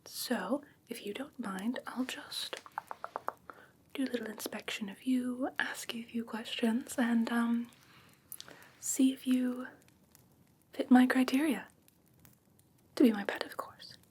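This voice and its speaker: A woman playing a whimsical, coaxing fae creature in a breathy ASMR whisper, sweetly condescending and soothing in a halting, doting way. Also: on the high side, steady tone, a little hiss or hum. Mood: matter-of-fact, whimsical. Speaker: ASMR roleplay performer. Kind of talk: whispered ASMR fantasy roleplay.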